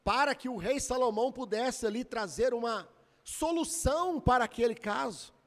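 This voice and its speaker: High-voiced Brazilian pastor preaching. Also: male voice, normal speed. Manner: dramatic, emotional retelling with rising and falling intensity. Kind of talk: storytelling sermon. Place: church. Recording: echoey church hall.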